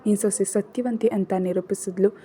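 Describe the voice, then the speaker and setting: A woman voicing a grieving, remorseful young husband who speaks softly and pleads for forgiveness. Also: mid-range voice, flat delivery, normal speed, natural voice. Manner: soft, broken, pleading apologies.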